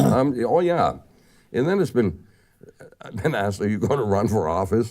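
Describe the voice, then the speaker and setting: Over noticeable background noise, a man talks with very wide pitch swings and long, frequent pauses. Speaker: radio personality. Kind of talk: interview answer.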